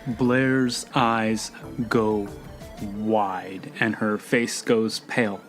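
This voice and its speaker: A man narrating a tabletop role-playing game as game master, deliberate, with dramatic pauses. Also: lowish voice, fairly even intonation. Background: music.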